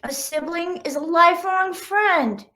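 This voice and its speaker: A woman's voice: very high voice, a little slow, pushed and bright, voice pushed up, heavily acted. A woman voicing a loving but firm mother dog in a children's storybook, giving patient, rhyming advice to her pups. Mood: gentle, instructive. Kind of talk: children's picture-book read-aloud.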